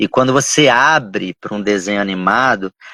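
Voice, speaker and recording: A man with a bright, sharp tone speaks at a moderate pace. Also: dry, close sound with no echo. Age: 30s. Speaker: voice actor and dubbing director. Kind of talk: interview answers. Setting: Instagram live.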